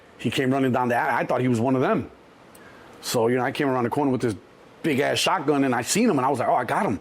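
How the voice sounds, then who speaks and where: This man talks at a very fast pace, his pitch sitting in the medium range. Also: ordinary pitch variation, very even loudness. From Chicago. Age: 60s. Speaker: former prisoner. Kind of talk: interview storytelling. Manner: halting with many repetitions.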